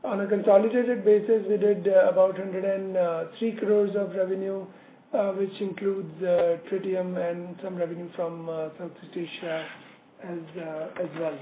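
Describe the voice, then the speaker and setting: A man presenting company results as an executive on a business call, halting often with many filler words. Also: high voice, flat delivery. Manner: halting, hesitant delivery with frequent filler words. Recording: narrowband phone line, roomy echo, slight noise.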